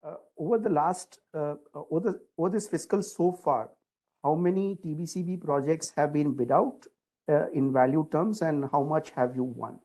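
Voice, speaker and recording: A man's voice: fairly high pitch, moderate pace, dark tone, low-quality recording. A man asking detailed questions as an analyst on an earnings call, polite and hesitant.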